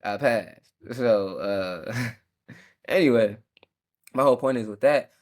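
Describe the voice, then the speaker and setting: A man's voice: medium pitch, slow, darkish tone. A young man in his early twenties hosting a casual Christian podcast, a bit congested and rambling easily with fillers. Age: early 20s. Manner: laid-back, rambling, with frequent fillers and small laughs. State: congested, sucking a cough drop. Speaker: podcast host.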